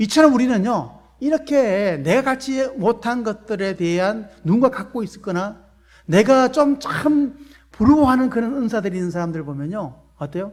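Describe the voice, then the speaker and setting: A man talks with a Gyeongsang accent and lively intonation at a moderate pace. Noticeable background noise sits behind him. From Daegu, Gyeongsang region, South Korea. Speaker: pastor. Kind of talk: sermon. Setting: church service with congregation.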